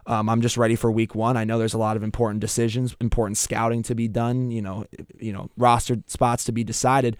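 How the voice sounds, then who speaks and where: A young man hosts a sports talk show with a croaky, strained voice. The tone stays smooth and clear even through the hoarseness. The recording is close and dry, and he pushes ahead with energy. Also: mid-range voice, brisk, few pauses, no echo. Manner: energetic, talks through his points with restarts. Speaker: podcast host.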